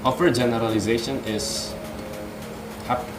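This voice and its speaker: A man's voice: medium pitch, steady tone, measured pace, reverberant, music in the background. A young adult man with an Indonesian accent, an English teacher patiently explaining grammar ideas and answering his own questions in a casual interview outdoors. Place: outdoor patio with trees. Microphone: studio mic on a stand.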